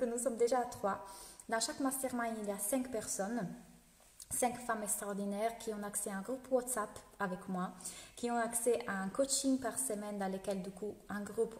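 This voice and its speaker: Enthusiastic woman coach in an echoey room. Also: mid-range voice. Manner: enthusiastic and chatty. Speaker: business coach. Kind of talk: casual live-stream talk. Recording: roomy echo with long reverb.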